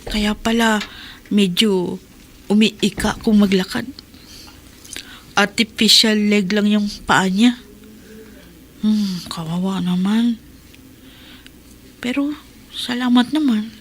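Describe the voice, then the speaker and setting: An actress playing an earnest young Muslim wife in a radio drama, speaking with conviction. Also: female voice, medium pitch, slow pace, pauses often, a little hiss or hum. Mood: reflective. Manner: impassioned, pleading.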